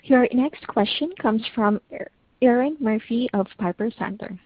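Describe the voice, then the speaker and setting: A woman's voice: fairly high pitch, measured pace, breathy edge, no echo. A woman working as a conference call operator, making scripted announcements over the phone. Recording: thin, dry phone line.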